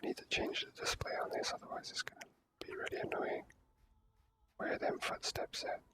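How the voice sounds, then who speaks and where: An ASMR gaming host giving casual, drawn-out gameplay commentary in whispers.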